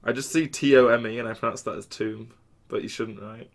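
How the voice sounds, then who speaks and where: A man streaming a card game, talking casually to chat, often restarting and trailing off into quiet mutters. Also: mid-range voice, steady tone, fast talker.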